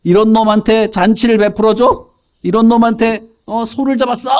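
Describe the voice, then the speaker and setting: A man's voice: sits high, steady tone, moderate pace, voice pushed up, natural voice. A man doing a resentful older brother. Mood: indignant. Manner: indignant, scolding. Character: resentful elder brother, young man, quick to anger. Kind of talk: Bible story retelling for children.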